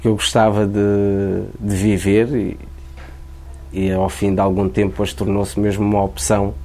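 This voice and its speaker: A man's voice: lowish voice, monotone, moderate pace, mellow. A man born in Angola, a painter, speaking in a casual interview, often repeating words while he thinks.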